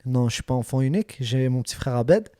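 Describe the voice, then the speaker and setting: A man's voice: medium pitch, lively intonation, quick pace, warm tone, clean tone, no echo, studio quality. A man talking casually as a rapper being interviewed, emphatic, often repeating phrases and checking that he is understood.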